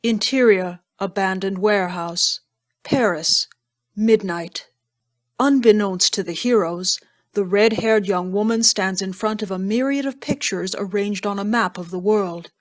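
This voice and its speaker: A woman's voice: mid-range voice, a little slow. Woman narrating an audio drama.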